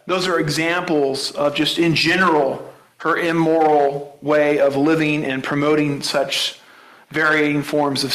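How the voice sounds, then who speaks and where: Bright-voiced man teaching in an echoey church. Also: on the high side. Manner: conversational Bible teaching with frequent restarts and questions to the congregation. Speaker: pastor. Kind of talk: sermon.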